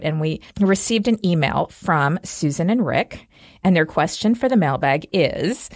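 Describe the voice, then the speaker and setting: A woman's voice: sits low, no room sound, clean studio sound. A woman co-hosting a podcast, chatting casually and telling stories with frequent laughter. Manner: laughs often, storytelling. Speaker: podcast co-host. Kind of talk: casual chat.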